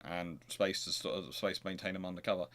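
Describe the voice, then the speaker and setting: A man's voice: sits low, flat delivery, fast talker, fairly bright tone. A man hosting a naval history show, speaking informally as he answers questions and reads aloud, often correcting himself. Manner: hesitant, thinking aloud, self-correcting.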